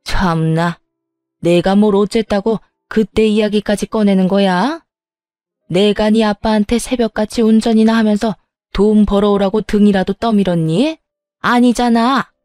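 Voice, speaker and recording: A woman's voice: medium pitch, fairly even intonation, a little slow, a little mellow, no echo, soft background music, lightly acted. A woman voicing a brazen, self-pitying older mother-in-law who stammers and talks back in an indignant tone, in a scripted story. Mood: scornful.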